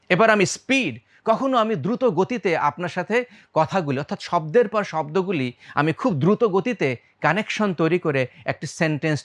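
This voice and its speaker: Lively Bangladeshi man teaching public speaking. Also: fairly high pitch. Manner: quizzes the audience, shifts loudness and speed on purpose; mixes English words into his talk. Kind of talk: lively talk to the audience.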